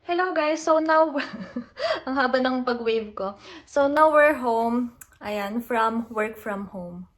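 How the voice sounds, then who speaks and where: A young adult woman from the Philippines, vlogging casually and retelling an upsetting phone call with animated, indignant asides. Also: fairly high pitch, takes it slowly. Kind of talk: casual storytelling vlog.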